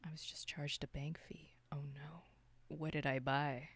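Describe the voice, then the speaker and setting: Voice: mid-range voice, flat delivery, measured pace, fairly bright tone, slightly rough. A podcast co-host chatting casually about films in a loose, rambling, unscripted way. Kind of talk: casual unscripted film discussion.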